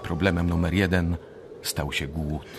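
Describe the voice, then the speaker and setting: Casting: male narrator for a dark audio drama, fairly low voice, clearly noisy atmosphere behind him. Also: fairly even intonation, a little slow. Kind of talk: scripted radio drama narration of a dark story.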